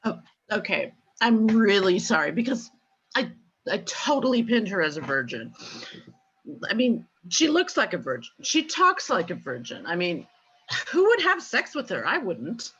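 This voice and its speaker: A woman's voice: medium pitch, wildly swooping pitch, normal speed, a bit bright, husky, exaggerated voice. A woman playing a blunt, snippy vampire in a table read of a film script, over muffled call audio.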